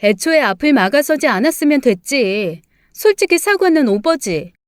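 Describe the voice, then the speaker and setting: Woman plays an indulgent young mother, high-pitched, indignant and defensive. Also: sing-song, normal speed, no echo, studio quality. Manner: indignant, retorting. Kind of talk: story reading with acted dialogue.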